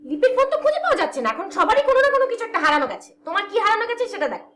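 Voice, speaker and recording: A woman's voice: extremely high pitch, big pitch swings, rapid-fire, a bit bright, full character voice. A scolding household mother. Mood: exasperated. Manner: scolding, exasperated. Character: exasperated woman running a chaotic household. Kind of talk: TV drama acting. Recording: echoey room with noticeable background noise.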